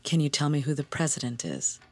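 An actor playing a calm psychiatric doctor, questioning a patient gently and clinically. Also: mid-range voice, a little fast. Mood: gentle.

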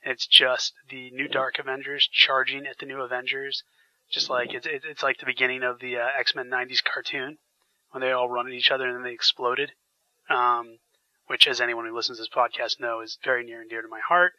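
A man's voice: mid-range voice, level tone, a little fast, sharp tone, no room sound, highs cut off. Enthusiastic male podcast host, congested. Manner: enthusiastic, rambling, frequent fillers. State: recovering from a sinus infection. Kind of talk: casual podcast chat.

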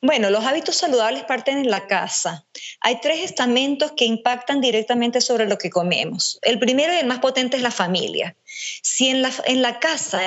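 A woman from Venezuela with an accent blended by years in Chile, explaining family nutrition in a measured, structured way as an interview guest. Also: a little high, a bit bright, muffled recording. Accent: Venezuelan mixed with Chilean. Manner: measured, structured, lists points. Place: speaking remotely from home.

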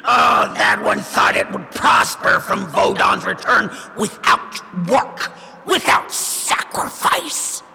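A woman voicing a fierce, fanatically devoted hag with a gravelly screech in a fantasy audio drama. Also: mid-range voice, slow, pushed and bright, exaggerated voice. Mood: indignant. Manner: speaks of self in third person, fervent. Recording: long cavernous reverb.

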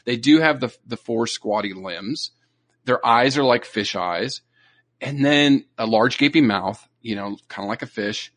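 Guy cohosting a nature podcast, middle pitch, chatty explainer, lots of you know and right. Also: measured pace, a bit bright. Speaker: podcast co-host. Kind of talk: casual educational chat.

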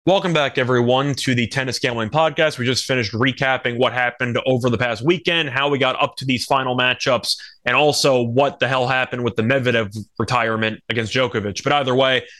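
A man's voice: mid-range voice, fairly bright tone. A man speaking as a podcast host, giving conversational, analytical sports betting commentary.

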